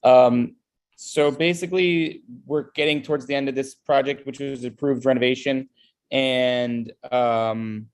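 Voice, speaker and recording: Guy on a glitchy conference call from a job site, slow and halting, lots of ums, smooth voice. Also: medium pitch, fairly even intonation. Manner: hesitant, halting delivery with many fillers. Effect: remote conference-call audio that breaks up. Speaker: project representative presenting plans to a committee. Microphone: calling in over an internet connection.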